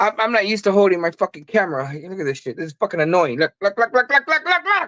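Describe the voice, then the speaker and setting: Over music in the background, a raised, projected voice rushes along at a very fast pace with an animated tone and very wide pitch swings, recorded dry and close with no echo. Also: man, high pitch for a man. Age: 40s. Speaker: online talk show host. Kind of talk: casual chat. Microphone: phone instead of computer.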